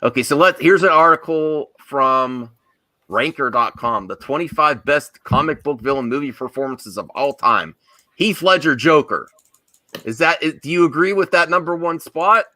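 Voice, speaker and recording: A man's voice: a little high, expressive, normal speed, sharp tone, no echo. A man hosting an online fan show in a casual livestream chat style.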